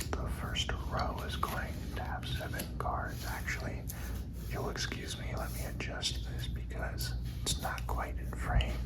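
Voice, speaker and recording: Someone whispers, soft-spoken. Noticeable background noise sits behind the voice. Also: fairly slow pace. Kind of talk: ASMR, casual talk to camera. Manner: whispered, soft-spoken.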